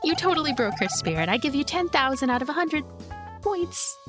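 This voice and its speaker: A woman's voice: high-pitched, very animated, a little fast, over music, voice pushed up. A woman voicing a brash young woman in a game, playfully teasing and trading mock insults with friends. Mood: gleeful.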